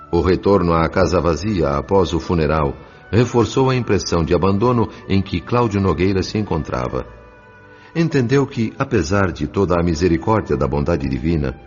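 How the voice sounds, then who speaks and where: Low voiced guy narrating a drama audiobook, solemn, bit muffled, music behind. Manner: solemn, measured. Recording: dull sound with music underneath.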